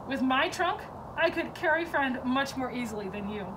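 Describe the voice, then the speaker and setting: A commanding elephant from a storybook, voiced by a woman, trumpeting in a high, animated voice. It sounds distant and noisy. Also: normal speed. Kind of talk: children's storybook read-aloud. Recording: distant mic with clear background noise.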